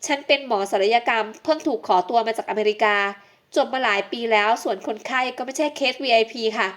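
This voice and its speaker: A woman voicing an earnest young female surgeon who explains in a hurried way in an audio novel. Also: on the high side, natural voice.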